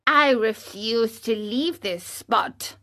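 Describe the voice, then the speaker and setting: A woman reading a storybook aloud, voicing a wise old male cricket who speaks in a calm, measured, moralizing way. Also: on the high side. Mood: solemn.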